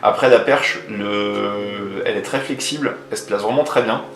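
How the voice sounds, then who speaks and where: A man's voice: fairly low pitch, normal speed, a bit bright, a little hiss or hum. Echoey Frenchman giving a casual product demo. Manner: informal, colloquial, explaining step by step. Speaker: motovlogger reviewing a product. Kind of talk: casual hands-on product demonstration. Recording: roomy echo, faint music underneath.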